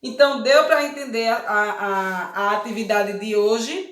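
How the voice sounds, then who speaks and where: A Brazilian woman talks young pupils through a lesson in a patient step-by-step way. She keeps checking that they follow. Her voice sits a little high and carries a roomy echo. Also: measured pace, a bit bright. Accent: Brazilian Portuguese. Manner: patient, explains step by step with many check questions. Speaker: primary school teacher. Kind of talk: recorded remote lesson for children. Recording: echoey room.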